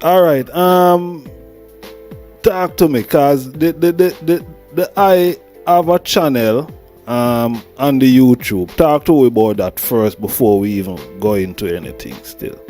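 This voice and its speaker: Slow-talking Jamaican man hosting in Rasta speech. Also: medium pitch, animated, dark tone, soft background music. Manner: reverent Rastafarian phrasing and greetings. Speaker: host.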